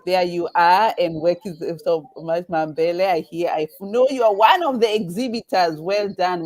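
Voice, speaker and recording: A woman with a Kenyan accent hosting a live webinar over a video call. She talks haltingly, with many fillers and restarts. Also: on the low side, darkish tone, poor audio. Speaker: event host.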